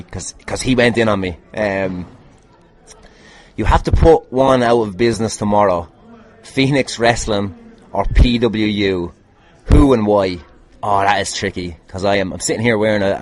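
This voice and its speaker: Deep-voiced, sweary Irish man. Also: moderate pace. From Ireland. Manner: sweary, jokey, self-deprecating. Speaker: podcast host and wrestler. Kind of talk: casual rambling anecdotes answering fan questions.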